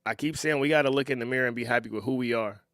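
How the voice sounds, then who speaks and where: A man in his thirties hosting a reaction video, talking in a relaxed, conversational way and often chuckling. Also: medium pitch, rapid-fire, dry recording, clean studio sound. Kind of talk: casual reaction commentary.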